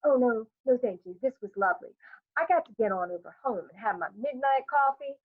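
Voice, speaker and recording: A woman voicing a squeaky, effusive neighbor woman who gossips in a folksy dialect and plays up every bit of news with melodrama. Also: expressive, fairly quick, no echo. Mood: gushing. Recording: dry, tinny phone-like sound.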